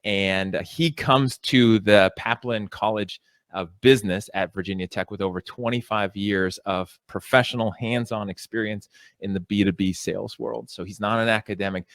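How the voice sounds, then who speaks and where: A man's voice: fairly low pitch, normal speed, a bit bright, dry recording. A man hosting an interview podcast, introducing his guest and asking questions in an upbeat, enthusiastic way. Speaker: podcast host.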